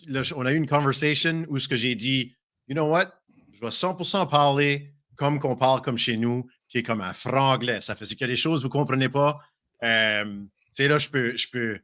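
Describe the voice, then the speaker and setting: Man, podcast guest, bright tone, franglais, hesitant. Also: medium pitch, moderate pace. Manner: mixes English into French, self-conscious, hesitant. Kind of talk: casual podcast chat.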